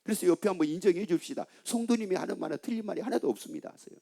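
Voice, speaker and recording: A man's voice: high voice, rapid-fire, creaky, mellow. A middle-aged male pastor preaching a sermon, asking the congregation questions and answering them himself, and acting out the lines of a scolding father.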